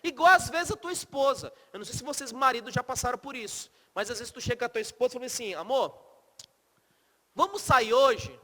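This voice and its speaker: A man lectures a law class in a very high, bright voice. He is blunt and profane, cracking jokes and throwing questions at his students. His voice rings out with a long reverb in the classroom. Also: fast, hardly any pauses. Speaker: law teacher.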